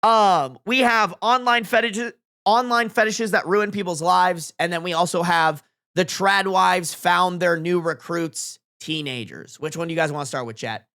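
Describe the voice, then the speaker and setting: This twenties livestream host has a bright, forceful, medium-pitched voice at normal speed. On a casual reaction stream, they chat with viewers using slangy, emphatic talk and swear often.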